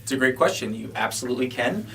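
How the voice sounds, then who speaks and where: A man with a medium-pitched voice, picked up from a little distance. He presents and explains as co-host of a Q&A show, with an orderly, advisory way of talking. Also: animated, fast talker, gravelly, pushed and bright. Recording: distant mic pickup.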